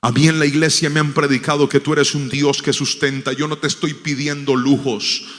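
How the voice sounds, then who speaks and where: Man, sermon, storytelling preacher, soft to forceful, bright tone, long hall reverb. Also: a little high, flat delivery, moderate pace. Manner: storytelling, swings from hushed to loud and emphatic. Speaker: pastor.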